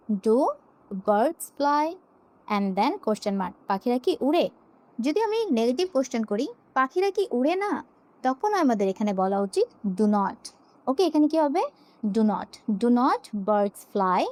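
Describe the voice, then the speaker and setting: A woman teaching a spoken English grammar lesson. She explains step by step, asks rhetorical questions and answers them herself, and says the English examples slowly and repeats them. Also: on the high side, a little mellow, no echo.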